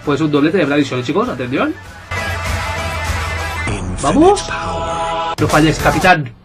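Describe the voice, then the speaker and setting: A man with a Spain Spanish accent, giving excitable, jokey gameplay commentary and bantering with his viewers. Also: fairly high pitch, quick pace, over music. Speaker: gaming YouTuber.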